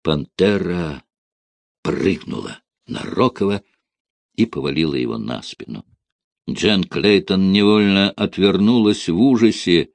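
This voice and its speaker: A man narrating an adventure novel as an audiobook, dramatic and dropping to a hush at tense moments. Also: low-pitched, expressive, measured pace, creaky, no room sound.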